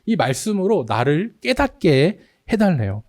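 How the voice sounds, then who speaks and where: A man's voice: high-pitched, big pitch swings, measured pace, a little mellow, no room sound, studio quality. A man preaching a sermon as pastor, acting out anguished prayers in a raised voice. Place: church sanctuary.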